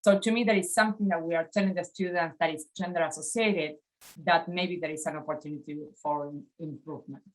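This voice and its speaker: A woman's voice: lowish voice, steady tone, fast, poor audio. A woman in her forties from Argentina with an Argentine Spanish accent, giving a reflective design lecture over slides and often checking in with "right?". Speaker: design educator. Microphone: webcam on video call.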